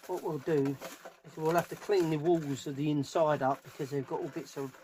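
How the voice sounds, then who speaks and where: With a fairly high pitch and a darkish tone, a middle-aged man narrates informally while working with his hands, thinking aloud. He's a DIY speaker restorer presenting a how-to video from a small, cluttered indoor workshop. The recording is clear, with background noise and clicks from handling.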